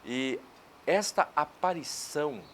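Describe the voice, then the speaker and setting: A Brazilian priest reads scripture and preaches with an unhurried, deliberate cadence. His voice sits at an ordinary middle pitch, and a faint hiss of background noise runs under the recording. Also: expressive, fairly bright tone. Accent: Brazilian Portuguese. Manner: slow, measured liturgical delivery. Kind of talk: gospel reading and homily.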